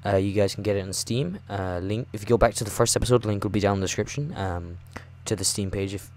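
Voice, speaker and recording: A man hosting a gaming video, chatting casually and reading a visual novel aloud in a hushed, late-night voice. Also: on the low side, fast. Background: music.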